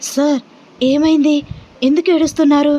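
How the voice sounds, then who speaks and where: A woman's voice: high voice, little pitch movement, moderate pace, warm tone, pitched above the performer's own voice, lightly acted. A woman voicing a worried, caring young woman who pleads and keeps saying "sir" in a storybook tale. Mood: pleading. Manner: pleading, repeats "sir" often.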